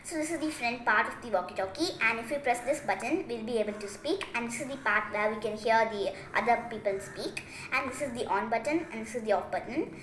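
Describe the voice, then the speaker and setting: A woman's voice: a little high, fairly quick, hardly any pauses, fairly bright tone. A woman hosting a craft tutorial, giving step-by-step instructions in a chatty, repetitive teaching manner. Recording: echoey room, faint noise, clicks.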